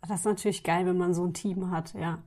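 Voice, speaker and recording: A woman's voice: lowish voice, fairly even intonation, fast talker, dark tone. A woman hosting a podcast, interviewing in a casual, chatty and informal way. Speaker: podcast host.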